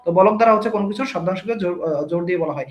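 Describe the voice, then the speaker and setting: A man's voice: high voice, rapid-fire, reverberant. A young man teaching an online grammar class, explaining step by step and quizzing his students.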